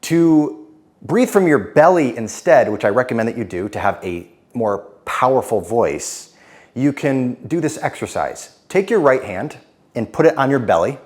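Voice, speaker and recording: A man teaching to camera as a speaking coach, blunt and direct, letting his pitch fall at the end of sentences. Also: lively intonation, normal speed, darkish tone. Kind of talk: instructional talk to camera.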